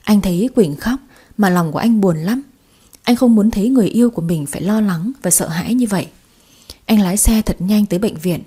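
A woman narrating a dramatic story in an even, measured way. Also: medium pitch, breathy edge.

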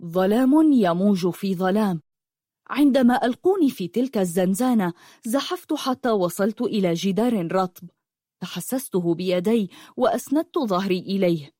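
A woman narrating in first person as a frightened, feverish man locked in a dark cell. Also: mid-range voice, expressive, normal speed, no echo, clean studio sound, natural voice. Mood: fearful. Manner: tense, dark, fearful.

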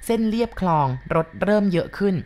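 A woman narrating a ghost story in a measured, polite retelling style. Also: medium pitch, dark tone.

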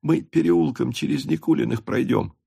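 A man's voice: mid-range voice, normal speed, vocal fry, dark tone, slightly rough, dry recording, studio quality, voice pushed up. A man voicing a simple young servant girl in an audiobook, lamenting plaintively. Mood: plain.

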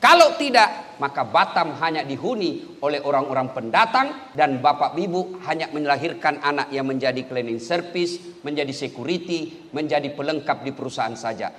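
A man preaching a sermon, swinging between loud calls and soft murmured prayers. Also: fairly high pitch, lively intonation, moderate pace. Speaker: Islamic preacher. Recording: long hall reverb.

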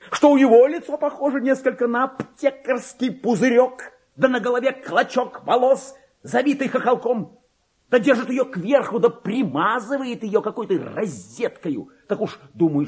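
A man's voice: high-pitched, a little mellow, breathy edge, heavily acted. An actor playing a vain, resentful middle-aged clerk in a radio play, pompous and exclamatory, as if muttering his diary to himself. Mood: scornful, indignant. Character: petty forty-two-year-old male clerk, vain, resentful, self-important. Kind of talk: theatrical radio play monologue, diary read aloud.

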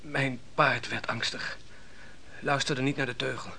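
An actor playing an exhausted young shepherd turned soldier in a Dutch radio play, deferential, halting and reflective. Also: male voice, medium pitch, fairly even intonation, vocal fry, pushed and bright, a little hiss or hum, exaggerated voice. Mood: haunted, sombre. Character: weary young male shepherd turned soldier, honest, haunted.

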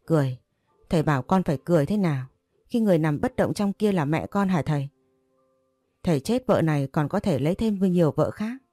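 Woman doing an hysterical grieving daughter, storybook figure, shrill accusations, low mellow tone, dry sound. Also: expressive, a little fast, dry recording, faint music behind. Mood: bitter. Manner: shrill accusing rants, sobbing pleas.

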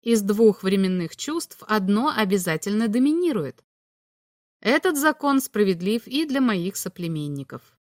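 A calm alien humanoid, as a woman reader voices him. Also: unhurried, no echo, studio quality. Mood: calm explaining. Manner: patient, explanatory, slightly higher voice. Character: calm all-knowing male alien humanoid. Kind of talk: audiobook reading.

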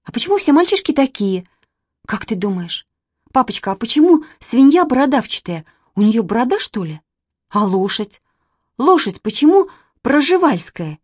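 A woman doing chatty little girl Manya, high and eager. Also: sing-song, no room sound, studio quality. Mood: curious. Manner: high, eager, rapid questioning.

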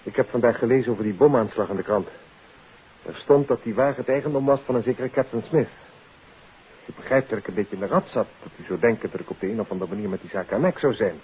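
A man's voice: on the low side, quick pace, slight background noise, close to an everyday voice. A man acting an uneasy, defensive young man in a 1950s radio drama, explaining himself politely and anxiously. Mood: apologetic, uneasy. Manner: polite, anxious, self-justifying. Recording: muffled phone-like 1950s radio recording.

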